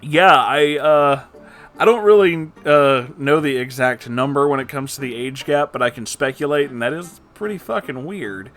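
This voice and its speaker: A man hosting a story-reading channel, reading online posts aloud and adding animated, casual, joking asides. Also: medium pitch, moderate pace, faint music behind. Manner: animated, jokey, informal asides.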